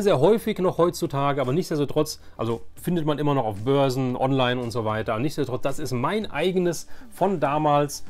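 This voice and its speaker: A man's voice: fairly high pitch, darkish tone. A man in his forties talking to viewers in a casual, nostalgic vlog style, informal, rambling and enthusiastic. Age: 40s. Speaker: video host.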